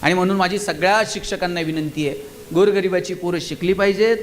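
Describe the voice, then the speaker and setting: A man delivers a fired-up motivational speech to a school crowd, and his voice sits unusually high for a man. He drives his points home with one rhetorical question after another. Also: fairly even intonation, fast, slight background noise. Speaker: motivational speaker. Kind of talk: stage speech to students and teachers. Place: school gathering.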